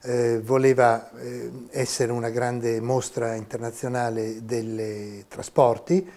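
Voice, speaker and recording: Uomo sulla sessantina, tono pacato e didattico. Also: male voice, mid-range voice, level tone, darkish tone. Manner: measured, explanatory, gesturing with his hands. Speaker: history of science professor. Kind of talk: interview answers. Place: small university office. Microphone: lapel mic.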